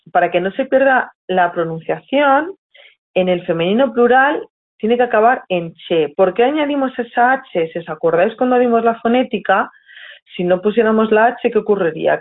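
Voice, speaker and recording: Una profesora con acento de España explica con paciencia a sus alumnos, les pregunta a menudo si lo siguen y se corrige a media frase. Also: female voice, medium pitch. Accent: Spain Spanish. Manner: patient, checks in often, corrects herself mid-sentence. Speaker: teacher. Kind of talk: explanatory lesson to students. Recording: tinny phone-like audio.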